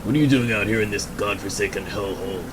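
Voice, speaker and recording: Man acting a low-voiced menacing backwoods drifter, noisy recording. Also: close to an everyday voice. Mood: bitter. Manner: folksy, accusing, drawn-out taunting. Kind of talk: amateur radio drama acting.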